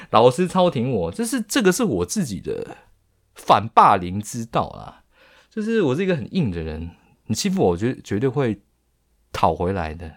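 Animated Taiwanese man telling a story. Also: medium pitch, a little slow, long pauses. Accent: Taiwanese Mandarin. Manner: animated, crude slang, mocking. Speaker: podcast host. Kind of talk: storytelling monologue.

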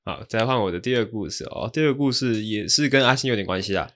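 一位带台湾口音的年轻男播客主持人，用平淡的口吻讲日常小故事。. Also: male voice, on the low side, quick pace, a bit bright. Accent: Taiwanese Mandarin. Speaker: podcast co-host. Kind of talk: casual storytelling.

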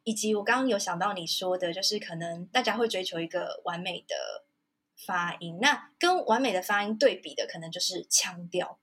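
A woman hosting a Mandarin interview podcast, thinking aloud and giving frequent soft hums of agreement. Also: fairly low pitch, animated, normal speed, breathy edge. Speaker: podcast host. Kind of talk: interview conversation.

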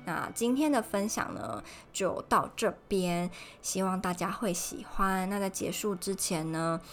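A young woman from Taiwan, chatting casually on her solo podcast from home and telling stories in an animated way. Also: mid-range voice, a little slow. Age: young adult. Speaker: podcast host.

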